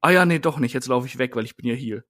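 A man's voice: medium pitch, fast, fairly bright tone. A man co-hosting a casual wrestling podcast, ranting in an exasperated way. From Germany, Siegerland. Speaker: podcast co-host.

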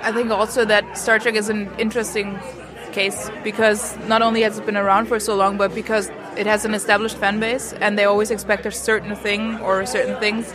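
A woman scholar answers interview questions in a casual way. Her medium-pitched voice is raised over a clearly audible crowd at a noisy evening event. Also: flat delivery, a little fast. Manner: speaking up over loud event noise. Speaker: science fiction scholar interviewed. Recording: noisy crowd, city sounds.

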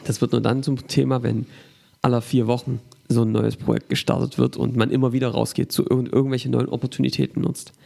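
A man hosts a business podcast, summing up his guest's points and leaning on filler sounds. His middle-pitched voice carries a strong, gravelly vocal fry. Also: level tone, quick pace, dark tone. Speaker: podcast host. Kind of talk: conversational interview.

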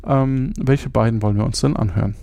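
A man acting as game master on a mystery podcast, keeping the players on track in a brisk, organizing way. His voice is gravelly and mellow, and the recording is close and dry. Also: medium pitch, steady tone, no room sound.

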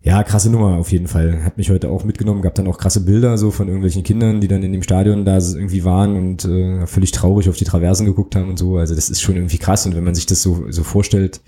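A man's voice: sits low, steady tone, fast talker, few pauses, warm tone. A man co-hosting a casual fan podcast, rambling with many fillers and restarts. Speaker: podcast co-host.

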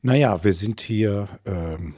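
Older male guest, halting and hesitant, lowish voice. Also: warm tone, slightly rough, no echo, clean studio sound. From Eifel, Germany. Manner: hesitant, many ums and restarts. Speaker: interview guest. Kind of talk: conversational interview answers.

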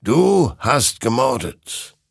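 A man voicing an all-knowing ghostly rider of death, speaking in a slow, drawn-out, menacing way with a gravelly voice. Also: medium pitch, big pitch swings, no room sound, studio quality, pitched above the performer's own voice, full character voice. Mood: slow menace.

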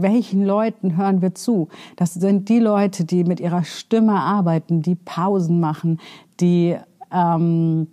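Earnest woman coach, low mellow voice. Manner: earnest, direct, many fillers and rhetorical questions. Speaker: self-improvement coach. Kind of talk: spoken coaching advice.

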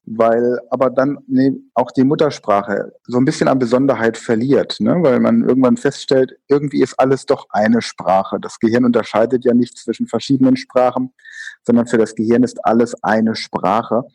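A man whose first language is German, talking fluently and at ease as an expert guest. His voice sits at a middle pitch and sounds dry and close. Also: normal speed, slightly rough, no echo. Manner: fluent, explanatory, relaxed. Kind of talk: conversational interview.

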